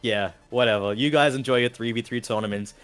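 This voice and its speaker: A man with an Australian accent giving play-by-play and analysis of a fighting game, steady and analytical, lifting with excitement on big moments. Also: mid-range voice, a little fast. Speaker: esports caster.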